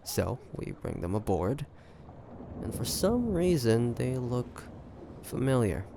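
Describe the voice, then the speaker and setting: Guy acting as smug pirate captain, gravelly and unhurried, sly taunting roleplay talk, bit of background noise. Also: mid-range voice, very animated, exaggerated voice. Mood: amused, sizing up. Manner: taunting, deliberate, conspiratorial, with dry chuckles. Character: ambitious, shrewd, smug male pirate captain. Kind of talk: roleplay audio drama monologue addressed to listener.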